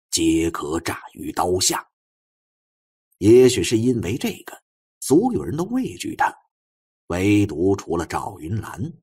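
A man narrates a suspense audiobook in a low, husky voice. His delivery is expressive and lively, with pitch that moves widely.

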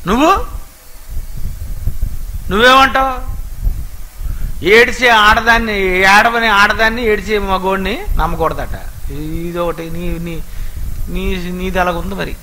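A man preaching a sermon with an animated manner, asking his listeners question after question. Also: sits high, slow pace, long pauses, a little hiss or hum, low-quality recording.

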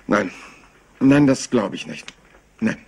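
An actor playing a rumpled, apologetic yet stubbornly probing police inspector in a German crime drama, hesitant and folksy. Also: male voice, lowish voice, lively intonation, takes it slowly, a little mellow, slightly rough, full character voice. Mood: thoughtful, stubborn. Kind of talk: German crime drama dub, conversational acting.

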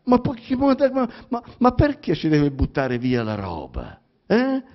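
A man with a Romagna accent reading a theatrical monologue aloud, halting and stammering, full of repetitions and fillers. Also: sits high, wildly swooping pitch. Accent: Romagna Italian. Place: public library reading event. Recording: dull lo-fi recording.

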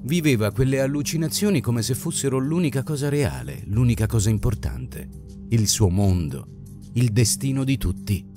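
A man reading an audiobook in a dramatic, expressive way. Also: mid-range voice, normal speed. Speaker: audiobook narrator. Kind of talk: scripted narration. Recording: narration over loud music.

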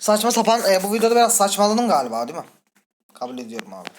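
A woman playing a horror game and commenting with a Turkish accent, chatty and full of swearing, breaking into startled high shrieks. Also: big pitch swings, rapid-fire, slight background noise. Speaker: gaming channel host. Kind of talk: let's play commentary. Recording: faint game music behind.

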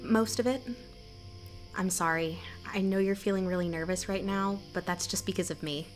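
A woman's voice: mid-range voice, normal speed, soft background music, lightly acted. A woman playing a candid, apologetic small-town local in an audio drama.

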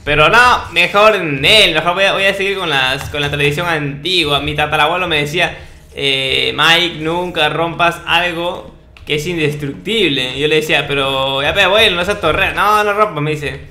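A man's voice: fairly high pitch, moderate pace, pushed and bright. A young man giving casual gameplay commentary in a playful, mock-boastful, slangy way. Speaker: gaming video host. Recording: roomy echo, faint noise, clicks.

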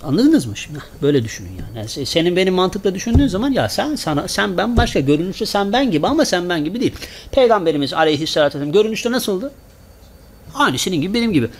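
A male preacher giving a sermon to a congregation, asking the listeners questions, answering them himself and repeating words in rhythmic runs. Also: high voice. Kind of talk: Friday sermon talk to a congregation. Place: small mosque.

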